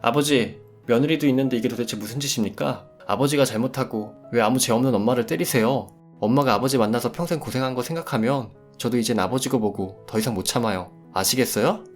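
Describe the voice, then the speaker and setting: A man voicing an angry adult son who shouts at his father to protect his mother in a radio drama story. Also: medium pitch, fast talker, few pauses, soft background music, lightly acted. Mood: confronting. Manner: shouting, swearing.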